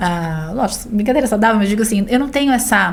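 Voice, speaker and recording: A soft-spoken woman with a fairly high pitch and ordinary pitch variation is heard amid noticeable background noise and audible room echo. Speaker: HR executive. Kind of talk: podcast interview.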